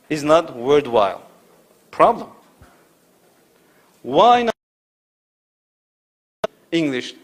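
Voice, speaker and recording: Man lecturing, slightly high voice. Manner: rhetorical, checks in with "right?" and "you see". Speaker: conference speaker. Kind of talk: academic lecture. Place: auditorium.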